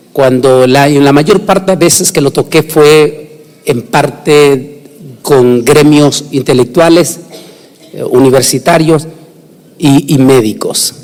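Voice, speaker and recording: A man preaching a sermon, emphatic, with sudden rises in pitch and frequent restarts. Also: darkish tone. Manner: emphatic, rising and falling delivery with restarts. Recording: long hall reverb.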